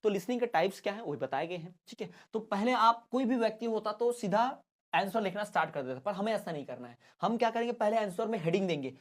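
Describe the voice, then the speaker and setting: A male teacher from India leads an exam-prep lesson. He reads English lines at a deliberate pace, then explains them at length. He keeps addressing listeners as "bhai" and repeating reminders to remember. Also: high-pitched, animated.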